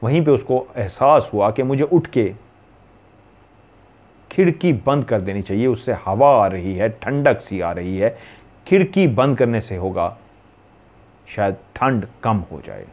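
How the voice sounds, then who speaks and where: A man's voice: on the low side, animated, slow pace, pauses often, a little mellow. A man from Pakistan narrating a horror story in a dramatic, suspenseful way.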